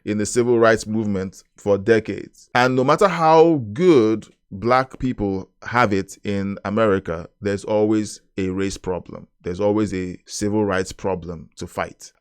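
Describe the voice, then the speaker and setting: A man hosting a reaction channel, giving animated political commentary and talking to his chat, often rising into emphatic loud stretches. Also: lowish voice, normal speed, few pauses, clean tone.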